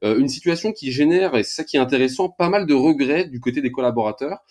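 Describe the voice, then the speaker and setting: A male host presents the next segment in an even, measured way. His voice sits at a middle pitch and he reads the numbers clearly for the listeners. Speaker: radio host. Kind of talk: radio show presenting.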